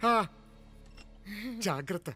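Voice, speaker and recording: An actor playing an older male head of the family who gives orders and shouts at a servant. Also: slow pace, soft background music. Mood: soothing. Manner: commanding, shouting, bright and tense. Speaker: film character. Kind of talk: film dialogue.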